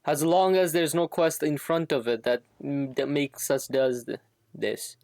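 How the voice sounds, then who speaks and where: A man's voice: on the high side, steady tone, unhurried, vocal fry, darkish tone, dry recording. A man doing casual gaming stream commentary, rambling and thinking aloud with some salty language. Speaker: game livestreamer.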